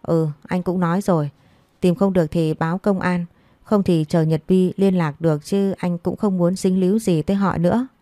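A stern older uncle gives short, clipped orders and guards his wife, as a woman reader puts him on. The tone is low and mellow, in a dry, close audiobook sound. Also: fairly even intonation, moderate pace, no echo, natural voice. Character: stern older uncle, curt and protective husband.

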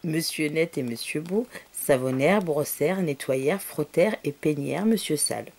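A woman reading a children's story aloud expressively, with soft whispered asides to the listening child. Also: low-pitched, normal speed, slight background noise.

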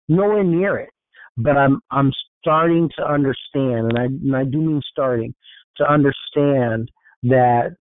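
A man's voice: medium pitch, no room sound. Man speaking over a tinny phone line. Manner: rambling and informal, with many fillers and restarts. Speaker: motivational speaker on a group call. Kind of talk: casual motivational talk. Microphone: conference call line. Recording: thin, phone-like call audio.

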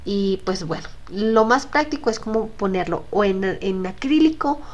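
A woman's voice: medium pitch, expressive, normal speed, lo-fi sound. Chatty woman vlogging. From Colombia. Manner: chatty, with many fillers and asides to viewers. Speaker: home vlogger. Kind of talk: casual chatty voice-over.

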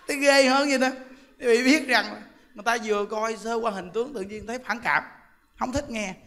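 A monk with a Southern Vietnamese accent preaches in a very high, bright voice, chatty and full of jokes. His talk rings out with a long hall reverb behind him. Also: a little hiss or hum. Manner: chatty, joking storyteller who laughs often. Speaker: Buddhist monk teaching Dharma. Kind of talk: humorous Dharma talk.

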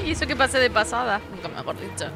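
A woman with a high, sing-song voice gives casual gameplay commentary as a streamer, talking fairly quickly over game music and crowd noise. She sounds tired and sleepy, chats freely, swears often, and cries out dramatically for help during fights.

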